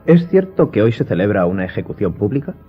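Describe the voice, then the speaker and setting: A man acting as a well-mannered young gentleman in a radio play, formal and curious. His husky voice is lowish and moves freely in pitch. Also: sing-song, fast, dull audio, soft background music. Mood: inquisitive. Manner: polite, formal. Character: courteous, inquisitive young gentleman traveller of noble manners. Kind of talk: Spanish audio drama acting.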